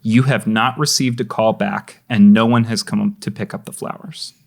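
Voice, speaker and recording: A man's voice: lowish voice, steady tone, moderate pace, gravelly. A young man narrating as game master, casual, with restarts and lots of questions to the players. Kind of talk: narrating a tabletop role-play game.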